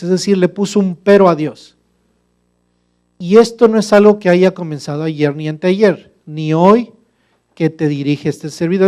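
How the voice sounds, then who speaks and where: A man's voice: fairly high pitch, warm tone. A male pastor preaching a sermon, emphatic and full of rhetorical questions to the congregation.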